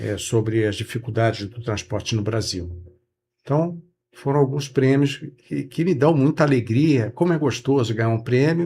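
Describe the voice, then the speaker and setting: In a Rio de Janeiro accent, a man speaks with a dark, mellow tone. His voice is somewhat breathy. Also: medium pitch for a man, ordinary pitch variation, moderate pace. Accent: carioca. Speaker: journalist and writer. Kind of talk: interview podcast.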